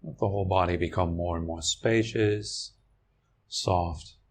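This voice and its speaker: A man with a very deep voice leads a guided meditation. He speaks slowly and calmly, leaving long pauses between short phrases. A faint hiss of noise sits under the recording. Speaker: meditation teacher.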